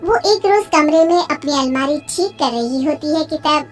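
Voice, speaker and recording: A woman narrating a cartoon moral story in a steady, even storytelling way. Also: high-pitched, normal speed, faint music behind.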